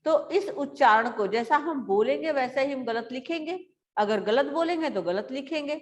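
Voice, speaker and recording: A woman teacher giving a grammar lesson to schoolchildren, explaining slowly and repeating words aloud. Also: sits high, animated.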